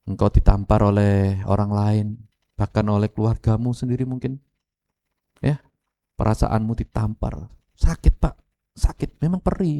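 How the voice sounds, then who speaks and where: A middle-aged man with an East Javanese accent preaching an animated sermon, speaking straight to the congregation. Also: mid-range voice. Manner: animated, addresses congregation directly, mixes Javanese phrases. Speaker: pastor. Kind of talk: lively sermon with acted quotes.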